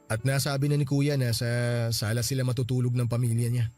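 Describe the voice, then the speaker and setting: A man's voice: medium pitch, steady tone, fast, a little mellow, faint music behind, lightly acted. A man playing a young husband in a radio drama, defensive and pleading. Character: young husband, soft-hearted and placating.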